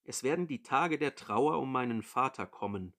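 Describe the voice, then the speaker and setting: A man's voice: mid-range voice, expressive, moderate pace, a bit bright. A man voicing a bitter grown son, a hunter, who pleads earnestly with his father. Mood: pleading.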